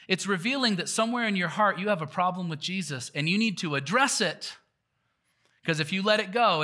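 A man preaching a sermon as pastor, conversational and animated, sometimes laughing at himself. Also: sits high.

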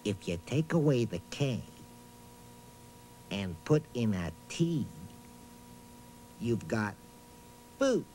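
A man's voice: medium pitch, very animated, slow, pauses often, warm tone, a little hiss or hum, poor audio. A man voicing a friendly, absent-minded talking boot who hosts a children's reading show in a hesitant, chatty way. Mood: cheerful, proud. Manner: hesitant, bumbling, chatty, hums nonsense syllables. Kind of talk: playful children's educational presenting.

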